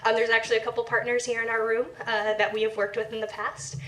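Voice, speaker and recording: A young woman researcher giving an animated talk to a live audience, moving around as she speaks. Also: fairly high pitch, fast talker. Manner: animated and energetic, moves around while speaking. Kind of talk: lively public lecture to a live audience. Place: lecture room with audience. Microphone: handheld or stand mic, sometimes away from it. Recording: echoey room, voice from a distance.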